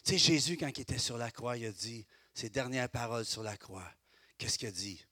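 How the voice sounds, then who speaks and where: A middle-aged man with a Québécois French accent preaching a sermon as pastor, swinging between loud exclamations and quiet, confiding asides. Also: mid-range voice, a little fast, no room sound, studio quality.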